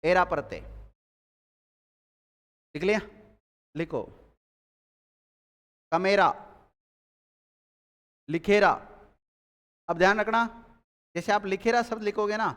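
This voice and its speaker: A man's voice: high voice, slow, long pauses, fairly bright tone, in a large hall. A man teaching a grammar class, quizzing his students and repeating key words as they take notes.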